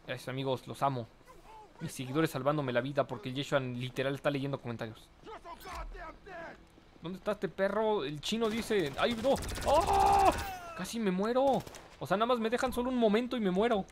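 A man's voice: on the high side, slight background noise. A young man with a Mexican accent commentating a live game stream, joking in slang and greeting viewers from the chat. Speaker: gaming streamer.

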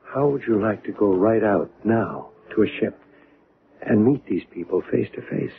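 An actor playing a small, mysterious male stranger in a radio drama, earnest and quietly insistent. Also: lowish voice, lively intonation, normal speed, vocal fry, a little hiss or hum. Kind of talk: 1970s radio drama acting. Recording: narrow tinny old radio broadcast.

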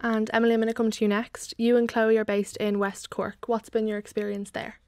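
A woman's voice: on the high side, monotone, brisk, a little mellow, smooth, no room sound, clean studio sound. A young woman hosting a panel podcast, introducing guests and putting questions to them. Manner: friendly, scripted-sounding introductions and easy questions to guests. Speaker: podcast host. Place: TV-style studio set, indoors. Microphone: large desk microphone, wearing headphones.

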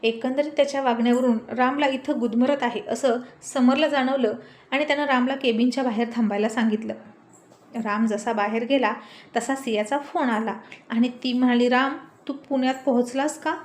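A woman reads a serialized romantic story aloud. Her voice sits somewhat high. Her delivery is steady and descriptive, the way a storyteller reads an episode. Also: normal speed.

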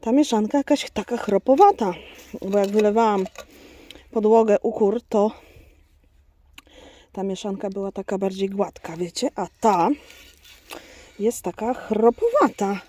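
Slow, mellow-voiced woman on a farm. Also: medium pitch. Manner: chatty, talks to her goats and viewers. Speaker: vlogger on a small farm. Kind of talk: casual vlog chat. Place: outdoors on a farm with goats.

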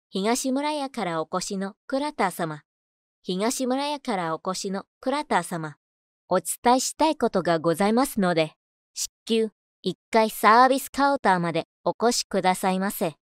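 Woman, mid-pitched voice, scripted voice-over, clearly enunciated, rehearsed delivery, dry close recording. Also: expressive, moderate pace, no echo. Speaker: voice actor. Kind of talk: scripted narration and announcements, voice-over demo.

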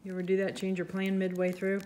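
A woman's voice: mid-range voice, monotone, quick pace, dark tone, slight background noise. Chatty woman crafting at her table. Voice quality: soothing. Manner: chatty, self-deprecating, thinks aloud. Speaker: resin artist, channel host. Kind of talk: casual crafting tutorial narration.

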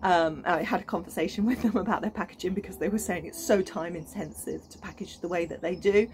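A British woman in her thirties, a gardening vlogger, chats casually to camera out on her allotment plot in the UK. Her voice is lowish and darkish, and she speaks briskly. She's enthusiastic and full of ums and restarts, with slight background noise.

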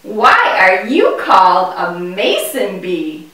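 A woman voicing a naive, curious puppet boy in a children's educational show, with exaggerated wonder and drawn-out questions. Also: medium pitch, sing-song, bright, forceful tone, full character voice. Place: indoor puppet stage in a room. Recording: echoey room, distant microphone.

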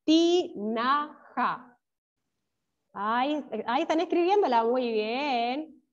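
An expressive Chilean teacher with a high voice takes her time in an online lesson for small children, sounding out words slowly, one syllable at a time. She encourages the kids and names them as she praises them, over dull video-call audio.

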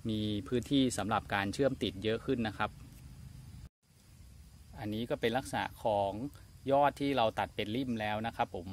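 A man in his thirties giving a polite, steady gardening demonstration outdoors at a plant nursery. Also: medium pitch, a little fast, long pauses, a little hiss or hum. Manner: polite, steady instructional delivery. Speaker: farm channel host.

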